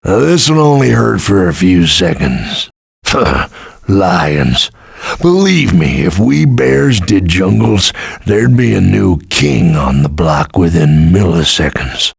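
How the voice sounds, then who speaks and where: An actor playing a big, gruff, menacing bear in a video game, with a gravelly growl and a swaggering manner. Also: male voice, low voice, sing-song, slow, no echo, heavily acted. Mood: menacing relish. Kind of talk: video game character voice acting.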